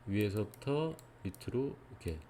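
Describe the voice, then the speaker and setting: Male lecturer, lowish voice, calm and methodical, walks through each point with small affirmations. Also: normal speed, a little hiss or hum. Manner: patient, step-by-step explaining with frequent "예" check-ins. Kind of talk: explanatory lecture.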